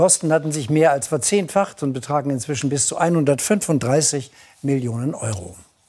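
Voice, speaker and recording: A man talks at a fairly quick pace with lively intonation. His voice is fairly high in pitch with a dark, mellow tone. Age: 60s. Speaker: news anchor. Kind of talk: TV news read. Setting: studio. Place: studio. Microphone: lapel.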